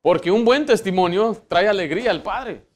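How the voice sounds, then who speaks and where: Man, pastor, high voice, earnest sermon, asks the congregation questions. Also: moderate pace. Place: church sanctuary.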